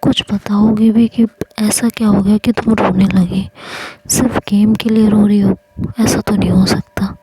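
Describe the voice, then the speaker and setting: A woman's voice: medium pitch, level tone, unhurried, noisy background, lightly acted. A woman voicing Yishu, a blunt, teasing young woman. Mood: pleading. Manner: scolding and teasing, then pleading.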